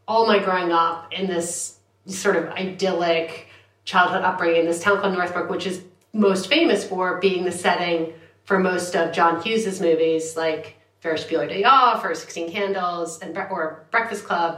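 A woman's voice: fairly low pitch, steady tone, normal speed, fairly bright tone, echoey room, low-quality recording. A woman in her forties, a journalist guest chatting casually about growing up, with laughing, self-deprecating asides. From United States. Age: 40s. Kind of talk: casual interview. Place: London.

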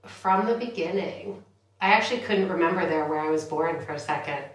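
A woman's voice: lowish voice, brisk, echoey room, low-quality recording. A woman in her forties, a journalist guest chatting casually about growing up, with laughing, self-deprecating asides. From United States. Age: 40s. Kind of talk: casual interview. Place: London.

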